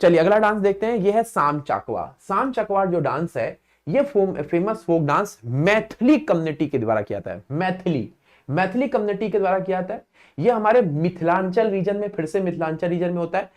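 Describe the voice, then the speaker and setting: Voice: medium pitch, lively intonation. A teacher giving an exam-prep lecture, explaining step by step, checking in with listeners and naming items one at a time. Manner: explains step by step, often adds the tag "है ना"; lists place names one by one in a slow, stressed way.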